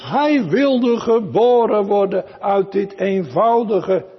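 A man preaching a sermon to his congregation in a church, pleading and swelling then dropping low. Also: animated, slow pace, slightly rough, long reverb tail, highs cut off. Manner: pleading, swells and drops dramatically. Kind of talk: Reformed sermon.

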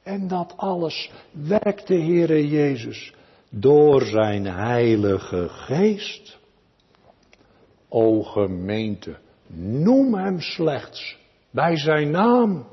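A man preaching a sermon to his congregation in a church, pleading and swelling then dropping low. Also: very animated, very slow, husky, in a large hall, dull audio. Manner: pleading, swells and drops dramatically. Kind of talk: Reformed sermon.

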